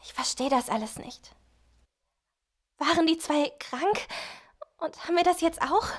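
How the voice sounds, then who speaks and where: Excitable, very high-voiced young woman. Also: a little slow, a little hiss or hum. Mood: worried. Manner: dramatic, emotional. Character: excitable, anxious young party girl. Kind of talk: horror audio drama acting.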